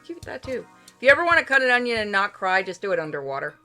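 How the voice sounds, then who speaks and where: A woman's voice: medium pitch, very animated, fast talker, bright, forceful tone, soft background music. A woman streaming a game casually, playful and informal, chatting and reading aloud. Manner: playful, informal, swears freely. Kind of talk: casual livestream chat and read-aloud game narration.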